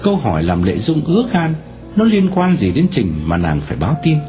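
A man narrating a novel aloud in an expressive storytelling manner. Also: brisk, soft background music. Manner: expressive storytelling with wide swings in pitch.

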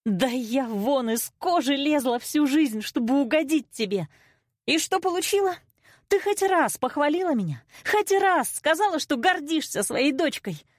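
A woman's voice: mid-range voice, very animated, normal speed, dry recording, studio quality, pitched above the performer's own voice. A woman voicing a hurt, defiant twenty-year-old daughter in an audiobook, indignant and emotional. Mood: hurt, angry. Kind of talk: audiobook character acting.

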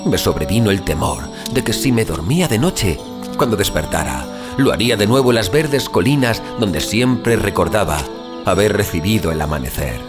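A male narrator voices a troubled wanderer on a strange journey who tells of a haunting dream, a piece of dramatic first-person audio fiction with a reflective, urgent mood. Fairly low and very animated in intonation, he performs theatrically and suspensefully, pausing deliberately for effect as prominent music plays.

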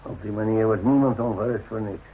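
Man acting gravelly old working-class father, muffled radio. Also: lowish voice, steady tone, a little fast, natural voice. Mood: rueful, reflective. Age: older. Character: gruff, stubborn old working-class father, retired workman. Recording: muffled narrow-band old radio recording with hiss.

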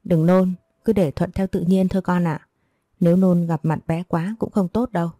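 A woman reading a calm, gentle old mother in an audio story. She speaks in a soft, reassuring way, with a low, mellow voice recorded dry and close. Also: moderate pace, no room sound, lightly acted. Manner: soothing, reassuring.

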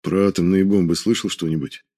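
Probing middle-aged army major read by a man, low voice, dark tone, questioning. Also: fairly even intonation, brisk. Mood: curious.

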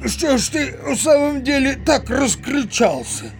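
A muddled, slow-talking grumbling villager. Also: male voice, extremely high pitch, sing-song, creaky, slight background noise, exaggerated voice. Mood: indignant blustering. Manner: hesitant muttering to himself, full of interjections. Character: grumbling, muddled older village man, cowardly yet blustering. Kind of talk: theatrical audio drama acting.

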